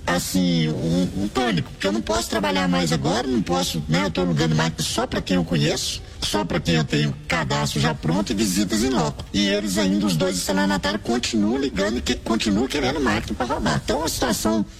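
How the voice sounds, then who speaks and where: Anonymous man, voice changer distortion, gravelly, wildly swinging pitch. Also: wildly swooping pitch, fast talker, hardly any pauses. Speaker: business owner interviewed. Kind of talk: anonymous news interview. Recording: radio news broadcast.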